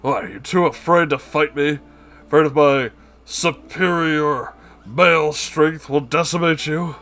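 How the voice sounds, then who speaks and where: A man's voice: on the high side, measured pace, fairly bright tone, soft background music, voice pushed up. A man voicing a pompous, boastful male neckbeard anime fan who makes grandiose, theatrical declarations in a comedic story reading. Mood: boastful taunting.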